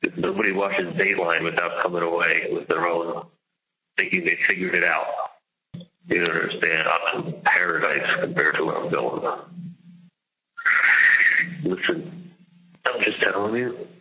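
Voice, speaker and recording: A deep-voiced man calling from jail vents over the telephone, swearing casually and sounding agitated and emphatic. He talks at a normal speed but pauses often, and repeats himself frequently; the recorded call sounds dull and lo-fi.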